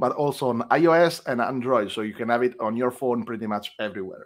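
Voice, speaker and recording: Very fast pace from a man, ordinary pitch variation throughout. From Italy. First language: Italian. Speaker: livestream host for a game publisher. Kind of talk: casual live game stream chat. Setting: online livestream with screen share. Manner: animated.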